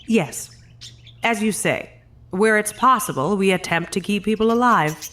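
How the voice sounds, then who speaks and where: A man's voice: high-pitched, measured pace, sharp tone. A senior agent of a secretive organization in an audio drama. He is solemn and courteous. His phrasing is formal and eloquent. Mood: skeptical, polite.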